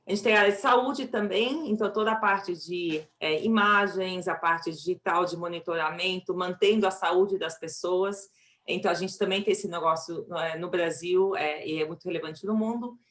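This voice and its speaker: A woman's voice: fairly low pitch, a bit bright. A woman with a Brazilian accent, a chief executive presenting her company on a business panel.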